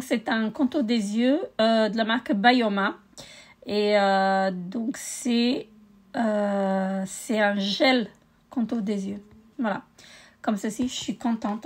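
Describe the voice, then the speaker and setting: A middle-aged woman, tired, chatting casually with many hesitations in a beauty haul video. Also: on the high side. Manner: hesitant, many euh fillers. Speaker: beauty vlogger.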